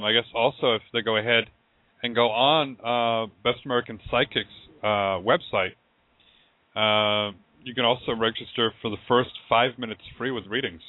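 A man hosting a show, relaxed and upbeat in casual interview talk. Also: on the low side, no echo. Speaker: show host. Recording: dry tinny phone line.

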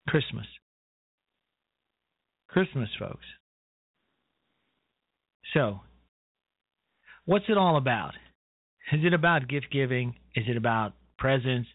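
A man in his fifties talks casually as the host of his own internet radio show. He rambles and keeps interrupting himself with asides. His voice sits at an ordinary middle pitch and comes through a narrow, phone-like line with a dry, close sound. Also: gravelly, no room sound. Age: 50s. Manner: rambling, chatty, self-interrupting with frequent "you know". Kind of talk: casual talk radio monologue.

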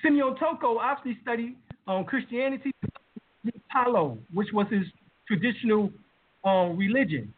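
Over a tinny, phone-like video call line with slight background noise, a man hosts a live-stream lecture in a very high-pitched, lively voice at a moderate pace. This lecturer and show host talks casually, piling on fillers as his emphasis and heat keep rising.

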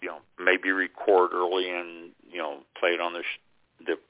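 A man's voice: low voice, completely flat delivery, normal speed, no echo. A man co-hosting a radio talk show, chatting loosely and hesitantly about upcoming guests. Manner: rambling, unsure, hesitant. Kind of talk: casual planning chat. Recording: tinny dry phone line.

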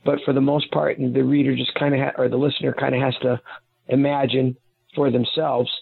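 A man's voice: mid-range voice, level tone, fairly quick, vocal fry, breathy edge. A man who is a guest author, explaining at length in a rambling way with many restarts, heard over a phone line. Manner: rambling, self-correcting explanations. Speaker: guest author and private investigator. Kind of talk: phone-in interview.

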